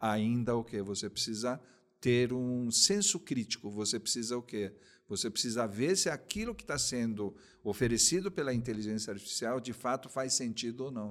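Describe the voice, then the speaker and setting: A plain, everyday voice at a moderate pace with ordinary pitch variation on a very clean recording with a silent background. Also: man, medium pitch for a man. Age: 60s. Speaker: company board chairman and data officer. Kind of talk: interview.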